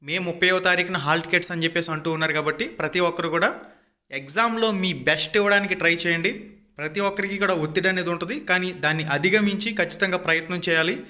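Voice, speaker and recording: A man's voice: high voice, fairly even intonation, racing, bright, forceful tone. A man giving an informal exam news update to viewers as a channel host, in an insistent, exhorting way.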